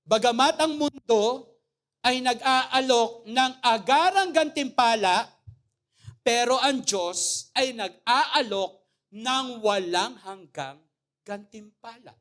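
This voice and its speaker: A woman pastor preaching a sermon with humor. She often asks the congregation "Amen?" and swings between loud, emphatic phrases and soft asides. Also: medium pitch.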